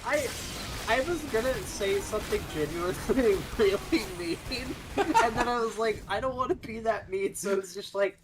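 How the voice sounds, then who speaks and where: Excitable gamer on voice chat, laughs a lot, voice swings all over. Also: mid-range voice, moderate pace, heavy background noise. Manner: excitable, laughs often, gushing. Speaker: gamer chatting while playing. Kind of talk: casual gaming chat.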